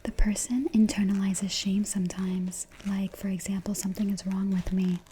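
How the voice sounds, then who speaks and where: A woman speaking in a hushed, breathy whisper, soft-spoken ASMR style, gently and deliberately reassuring the listener. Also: medium pitch, level tone, a little hiss or hum.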